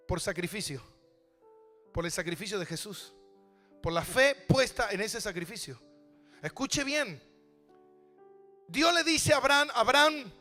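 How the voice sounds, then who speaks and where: A man's voice: very high-pitched, pushed and bright. A man pastor preaching a sermon, asking rhetorical questions and repeating phrases for emphasis. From Argentina.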